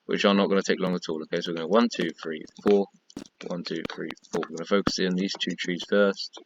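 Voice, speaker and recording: This low-pitched, steady, fast-talking man is a gaming tutorial creator whose tired voice is giving out as he casually explains a block-building tutorial while working. He keeps counting and pointing things out, and the muffled recording has a noisy background.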